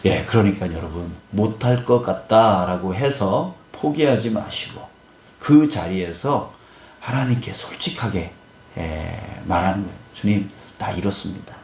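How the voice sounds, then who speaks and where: Male pastor, fairly low voice, chatty early-morning sermon with lots of filler affirmations, roomy church sound. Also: unhurried, a little hiss or hum. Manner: conversational preaching, frequent affirming "yes" fillers; acts out scripture dialogue in lively voices. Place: church sanctuary.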